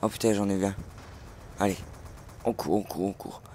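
A man hosting a gaming channel, giving live commentary on his own match with frequent excited outbursts and swearing. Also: lowish voice, moderate pace, slight background noise.

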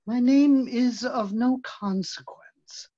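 A man playing a tormented, obsessive phantom in a staged reading, halting and dramatic, moving between hushed and loud. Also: very high voice, no echo, heavily acted. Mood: anguished. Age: middle-aged. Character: tormented, obsessive masked phantom, possessive male lover. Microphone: computer mic on video call. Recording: muffled video call audio.

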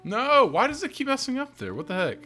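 A man records casual commentary as he plays a video game. His voice is bright and swings widely in pitch as he reads on-screen text and talks to himself in exasperated asides. Game music plays underneath. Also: wildly swooping pitch, a little fast. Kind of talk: casual let's-play commentary, reading game text aloud.

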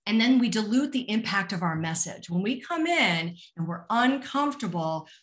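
A woman's voice: mid-range voice, animated, moderate pace. Middle-aged woman coach presenting a webinar. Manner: encouraging, addresses listeners directly with rhetorical questions. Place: small indoor room, online webinar. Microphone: video call.

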